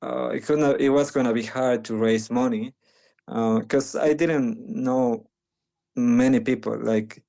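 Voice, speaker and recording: Guest: young Panamanian man, slow and mellow, halting speech full of restarts, second-language speaker. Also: mid-range voice, fairly even intonation, creaky. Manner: halting, many restarts and fillers. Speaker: guest, medical missionary. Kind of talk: conversational interview.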